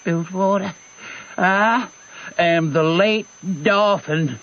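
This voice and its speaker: A rascally old American fraud passing himself off as royalty in a radio play. His voice is high and he draws his words out slowly, folksy and self-important, on a muffled recording. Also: a little hiss or hum. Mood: grand self-pity. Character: old rascally swindler posing as exiled French king. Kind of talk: radio drama acting.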